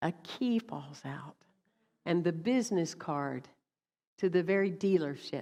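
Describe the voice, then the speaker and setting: A woman's fairly low, dark, mellow voice with an American accent, lively intonation, fairly slow pace and long, frequent pauses. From South Carolina. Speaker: minister. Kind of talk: sermon.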